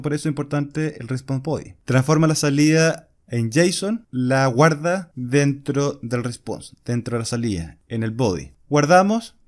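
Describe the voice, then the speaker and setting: Typing as he goes, a male programming instructor explains his coding screencast one step at a time. He speaks in a slightly mellow voice on the high side, over the sound of keys and clicks.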